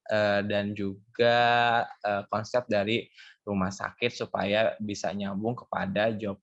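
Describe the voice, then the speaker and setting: A young man with a lowish voice and a slight Sundanese accent talks through his job in a relaxed, informal way, pausing on fillers. The sound is a dry, muffled video call. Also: no echo. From West Java. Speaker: hospital billing staff interviewee. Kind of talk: casual explaining on a video call.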